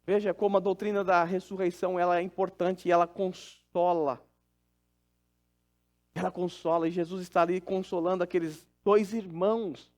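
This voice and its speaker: A man's voice: high voice, flat delivery, normal speed, a little mellow. A middle-aged man, preaching a sermon as pastor and telling a personal story in an earnest, conversational way.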